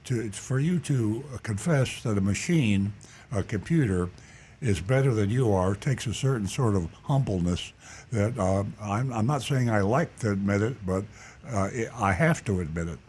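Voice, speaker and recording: A man's voice: on the low side, lively intonation, darkish tone, a little hiss or hum. A man hosting a car talk show, speaking thoughtfully and restarting phrases as he thinks. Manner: thoughtful, halting, repeats words as he thinks. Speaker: host. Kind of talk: radio talk show chat.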